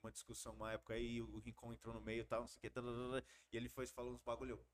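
A Brazilian man in a relaxed podcast conversation, talking in a slangy, animated way. His voice sits at an ordinary middle pitch. He tells long stories and keeps the chat loose. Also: racing. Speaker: podcast guest. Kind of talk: casual storytelling chat.

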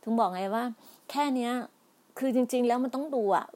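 This middle-aged woman's voice sits on the high side and is a little mellow, and she talks fairly quickly. Her heated political monologue swings between scolding and pleading, full of restarts, repetition, and polite particles before indignation sets in.

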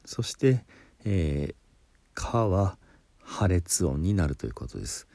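A man's voice: deep voice, sing-song, slow, creaky, warm tone, no echo. A man teaching pronunciation in a patient spoken lesson, explaining step by step and demonstrating sounds.

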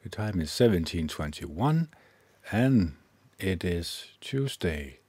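A man with a very low, mellow voice reads from a book on his own podcast, steady and measured, now and then stumbling over a word and fixing it. His tone is slightly husky. The sound is close and dry, with no room around it. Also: no room sound. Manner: measured reading with occasional slips and self-corrections. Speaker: podcast host. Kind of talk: reading a self-help book aloud. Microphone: own microphone with gain up and low cut filter.

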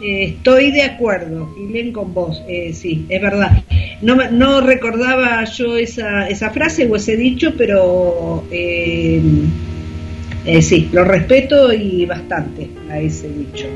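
A woman's voice: medium pitch, lively intonation, slow, lo-fi sound, soft background music. A woman with an Argentine Rioplatense accent co-hosting casual radio chat, hesitant, with many fillers. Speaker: radio co-host.

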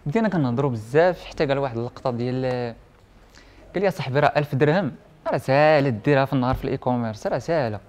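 This young interview guest, who works in printing and IT, races through his story in a medium-pitched, darkish voice. He speaks with a Moroccan Arabic accent, sprinkling in French words and quoting dialogue in relaxed conversation.

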